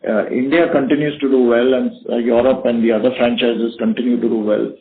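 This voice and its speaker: A male company executive answering questions on an earnings call, speaking haltingly and often tagging his statements with "right?". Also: medium pitch, level tone. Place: conference call. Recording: narrowband phone conference line.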